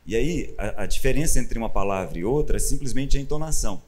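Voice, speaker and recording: A male pastor with a Brazilian Portuguese accent teaches the Bible in conversation, telling the story with animated bursts and acting out quoted lines. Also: mid-range voice, quick pace, slight background noise.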